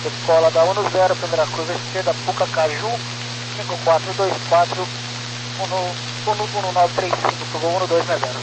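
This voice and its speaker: A man, a pilot, reading back clearances in a clipped style over aviation radio. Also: high-pitched, fairly even intonation, fairly quick. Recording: very noisy humming radio transmission.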